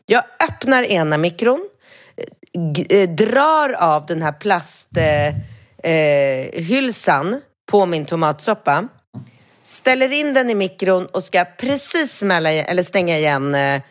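A woman podcast host in casual chat, animated in her storytelling and swearing when worked up. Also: lowish voice.

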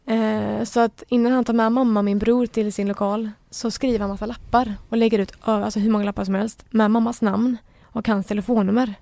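A woman recounts a story at an easy conversational pace, her low-warm voice often slipping into a gravelly fry. She acts out what others said as she goes. The sound is dry and close. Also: few pauses, no room sound. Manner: lively retelling, acts out quoted voices. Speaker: podcast guest. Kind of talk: casual storytelling.

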